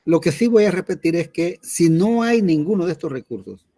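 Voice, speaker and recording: Patient teacher, lively pitch. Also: male voice, moderate pace. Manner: explains patiently, checks in with "¿verdad?" often. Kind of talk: online class lecture.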